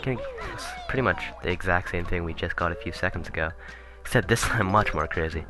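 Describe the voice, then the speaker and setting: A man commentating casually on a video game he is playing, rambling and correcting himself, his voice turning raspy. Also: deep voice, brisk. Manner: rambling, self-correcting, chuckling asides. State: voice getting raspy. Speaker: let's play commentator. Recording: game music playing behind.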